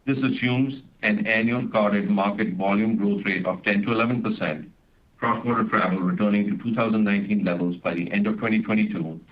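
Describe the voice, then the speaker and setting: A man speaking as a finance executive on an earnings call, in a formal, measured way. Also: on the low side. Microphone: conference call line. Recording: dull, lo-fi conference call audio.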